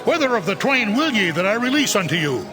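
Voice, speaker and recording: A man's voice: sits high, big pitch swings, fast talker, over music. A man playing Pontius Pilate, a commanding Roman governor, in a dramatized scripture reading. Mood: challenging.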